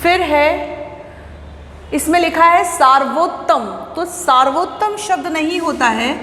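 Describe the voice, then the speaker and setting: A woman with a fairly high voice teaches children, explaining each point patiently and answering her own questions. She sounds like she is in a classroom. The recording is roomy, with a long reverb tail and faint ambient noise behind her. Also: unhurried, fairly bright tone. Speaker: school Hindi teacher.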